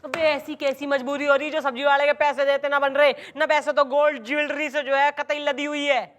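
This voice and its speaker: An actress playing a bossy, blunt female police station chief with a Haryanvi accent, talking loudly in rustic slang in a TV sitcom. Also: high-pitched, level tone, a little fast. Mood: brash. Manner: loud, blunt, rustic slang mixed with English. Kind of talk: sitcom acting.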